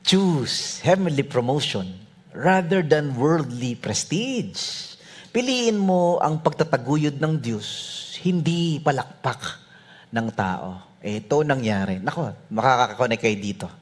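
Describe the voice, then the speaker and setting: A male pastor preaches with humorous, animated storytelling and often drops to soft asides. His voice is husky. His pitch swings widely as he tells the story. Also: slow. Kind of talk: sermon.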